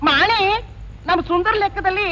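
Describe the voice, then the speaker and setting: A high-voiced cheeky sidekick. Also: male voice, moderate pace, sharp tone, a little hiss or hum, heavily acted. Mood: teasing. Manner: teasing, mock-reverent. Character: cheeky young male sidekick, teasing. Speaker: gang sidekick. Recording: dull film soundtrack with faint music.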